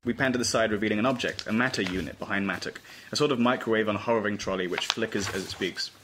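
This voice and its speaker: A man's voice: lowish voice, fast talker. A man reading out scripted stage directions as narrator at an informal table read. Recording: room recording with faint noise.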